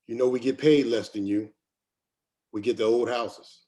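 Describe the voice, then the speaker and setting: A man's voice: mid-range voice, fairly even intonation, normal speed, dark tone, natural voice. A man playing a proud, skeptical miner who speaks plainly, in a screenplay table read. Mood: frustrated.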